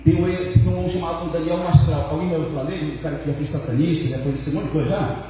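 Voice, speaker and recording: A man, a pastor, telling a personal story in a sermon, animated and repetitive, full of fillers. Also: on the high side, quick pace, music in the background. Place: church hall. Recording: echoey church hall, mic far off.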